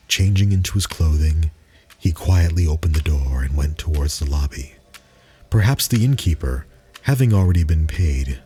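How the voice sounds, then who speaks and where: Male horror narrator: very low, slow, deliberate and suspenseful dramatic reading. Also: warm tone, breathy edge. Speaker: storyteller. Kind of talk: dramatic reading of a spooky story.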